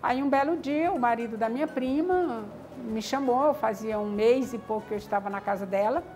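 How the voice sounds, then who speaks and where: A woman's voice: fairly high pitch, normal speed, darkish tone, soft background music, rough recording. Older woman telling her story. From Maranhão, Brazil. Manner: reflective, frequent "né?" and "tá entendendo?" tags. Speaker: community founder. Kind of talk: personal life story interview.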